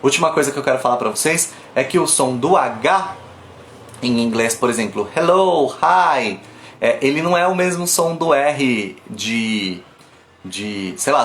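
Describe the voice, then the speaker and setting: Brazilian guy teaching english pronunciation live, talks loose and chatty, middle pitch, roomy phone sound. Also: normal speed, a little hiss or hum. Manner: chatty, lively, breaks off and demonstrates sounds. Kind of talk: live online pronunciation class. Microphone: phone camera.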